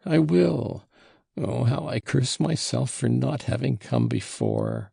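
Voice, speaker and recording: A man voicing a proud, impulsive schoolboy in an audiobook, with an abrupt, hurried and brusque manner. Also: lowish voice, expressive, vocal fry, dark tone, breathy edge, no room sound, clean studio sound, full character voice. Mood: tearful, self-reproachful. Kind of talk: audiobook character voice.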